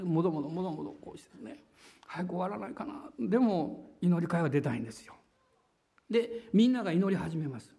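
A man's voice: high voice, a little mellow. A man preaching a sermon to his congregation, earnest and self-deprecating, with firm, emphatic declarations. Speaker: pastor. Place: church service before a congregation.

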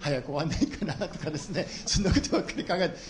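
A man's voice: on the high side, animated, very fast, a little hiss or hum. A middle-aged man preaching a sermon, telling humorous stories about himself to the congregation. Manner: humorous personal storytelling to a congregation. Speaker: pastor.

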